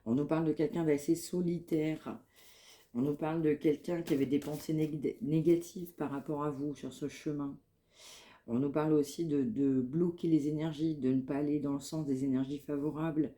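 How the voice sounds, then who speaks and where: A woman with a head cold giving a spoken psychic reading to her viewers, in calm, measured, repetitive phrasing. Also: low-pitched. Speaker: medium giving a card reading.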